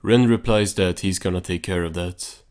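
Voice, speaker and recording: A man giving casual, informal recap commentary on a cartoon in a deadpan manner. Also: low-pitched, normal speed, heavy background noise.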